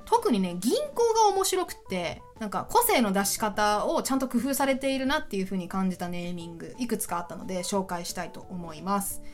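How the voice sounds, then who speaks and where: A woman hosts a casual solo podcast in a lively, chatty voice whose pitch swings widely. She sounds enthusiastic and laughs easily. Soft music plays faintly underneath. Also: brisk, few pauses. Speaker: podcast host.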